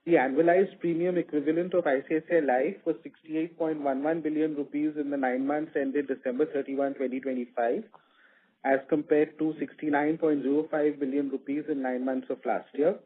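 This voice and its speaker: Husky Indian man on a phone line. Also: a little high, steady tone, brisk. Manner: formal, methodical reading of figures. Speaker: bank executive presenting quarterly results. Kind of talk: scripted earnings call presentation. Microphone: telephone conference line. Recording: muffled narrow phone-line conference call.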